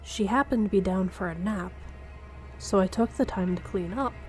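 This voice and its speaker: A woman's voice: medium pitch, moderate pace. A woman narrating a scripted spooky first-person story as the storyteller. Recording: music behind the voice. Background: background music.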